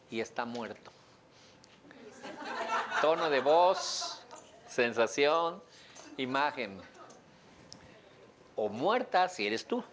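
A man with a Mexican accent giving a lively lecture to a live audience, joking and asking them questions. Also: medium pitch, slight background noise. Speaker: speaker teaching an audience.

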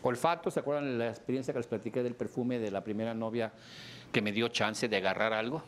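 A middle-aged man with a Mexican Spanish accent, lecturing a class in a joking, animated way with sudden high exclamations. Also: fast, a little hiss or hum. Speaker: instructor.

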